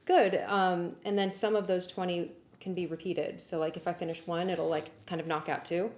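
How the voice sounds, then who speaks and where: A woman hosting a casual livestream, explaining work progress in an informal, halting way as she thinks aloud. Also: lowish voice, little pitch movement, darkish tone. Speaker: livestream host and music arranger. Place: warm indoor room. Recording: roomy echo, clear background noise.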